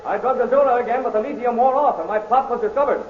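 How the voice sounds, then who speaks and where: A man's voice: very high-pitched, fast, phone-quality sound. An actor playing a loyal, proud hawkman captain and rebel fighter in a 1930s radio serial, earnest and declamatory. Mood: relieved, earnest. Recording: thin, echoey, noisy 1930s radio recording.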